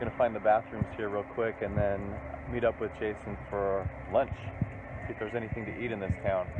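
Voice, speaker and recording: A man is talking. Background noise is noticeable behind him. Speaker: travel vlogger. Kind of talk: casual vlog chat. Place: street. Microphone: phone near.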